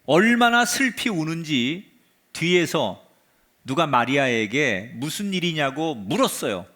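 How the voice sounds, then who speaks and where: A man, a pastor, preaching a sermon and retelling a story with drama, his voice sinking to a hush at the end of phrases. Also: on the high side, very animated, measured pace. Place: church sanctuary.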